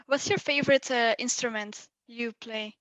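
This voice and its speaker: A woman's voice: a little high, fairly even intonation, normal speed, fairly bright tone, no echo, poor audio. A young woman interviewing a guest over a video call, asking questions with frequent hesitant fillers.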